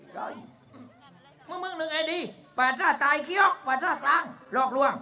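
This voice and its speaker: A man's voice: very high-pitched, a faint crowd, full character voice. A man doing a rowdy, crude village clown with a Southern Thai accent. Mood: boisterous. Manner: shouting, laughing, rapid-fire guessing. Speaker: shadow-puppet performer. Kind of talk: live shadow-puppet comedy. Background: live folk music band.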